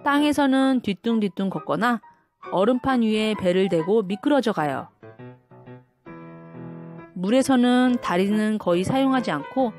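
A woman reading a children's picture book aloud in a gentle, clear manner. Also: medium pitch, animated, measured pace, long pauses, soft background music. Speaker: storybook reader.

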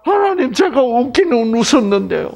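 A man's voice: very high voice, big pitch swings, moderate pace, creaky, a little mellow, voice pushed up, heavily acted. A man voicing a grateful woman, Sarah, who thanks God in a pleading way.

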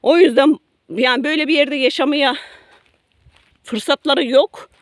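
A woman's voice: high voice, unhurried, no echo, studio quality. A middle-aged woman vlogging from her garden to her followers, talking emotionally, first indignant, then apologetic, often repeating herself. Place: garden by a road near woods.

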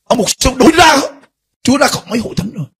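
Fervent male pastor, very husky high voice. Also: animated, racing. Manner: impassioned preaching, swings between hushed and shouted. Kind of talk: sermon.

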